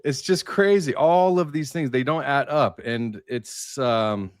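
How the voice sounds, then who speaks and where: A man's voice: medium pitch, a little slow, dry recording. A man talking casually as a panelist in a livestream roundtable discussion.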